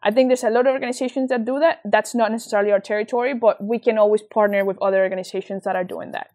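A woman's voice: medium pitch, fairly even intonation, very fast, a little mellow. A woman with a Venezuelan Spanish accent, speaking as an interview guest in an earnest, encouraging, conversational way, telling anecdotes. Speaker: interview guest, tech nonprofit leader.

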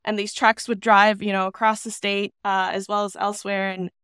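A woman in her thirties from Iceland, a podcast guest telling stories about her career in a relaxed, chatty way over a video call. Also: mid-range voice, normal speed, clean tone, no room sound, studio quality. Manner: chatty, anecdotal, frequent "you know" fillers. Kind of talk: relaxed storytelling interview.

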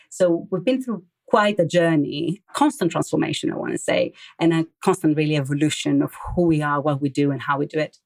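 A woman from Greece with a Greek accent, answering interview questions in a measured, explanatory way. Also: sits low, creaky, darkish tone. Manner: measured, explanatory, slightly hesitant. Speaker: guest.

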